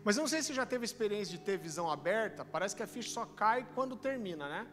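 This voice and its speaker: A man in his thirties with a Brazilian accent from Curitiba, preaching a sermon and telling a personal testimony in an animated storytelling way. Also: sits high, fast talker, big-room sound, noisy background. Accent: Brazilian Portuguese, Curitiba. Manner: animated storytelling, addresses listeners as brother. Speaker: pastor. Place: church auditorium.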